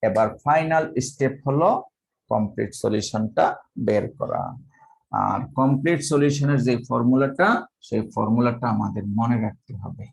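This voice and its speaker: A man from Bangladesh lecturing on math, talking slowly and methodically and dictating each formula step by step. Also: medium pitch, gravelly, a little mellow, rough recording.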